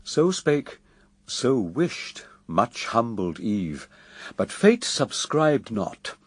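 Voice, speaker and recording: A man narrating a radio verse drama in a measured, solemn, literary delivery. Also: medium pitch, very animated, slightly rough, no echo.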